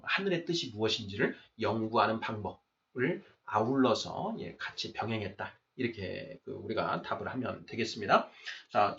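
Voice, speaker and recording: A man with a mid-range, slightly bright voice delivers an explanatory lecture in question-and-answer form, didactically stressing and repeating key phrases. The distant mic gives a dull, muffled sound.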